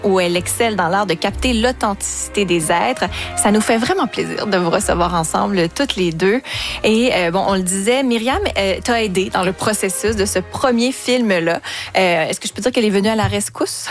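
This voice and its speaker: A woman hosts a cultural talk show, reading lively introductions and asking friendly questions. Her voice sits at a middle pitch, and faint music plays underneath. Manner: lively, introduces guests warmly with praise. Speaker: interview host.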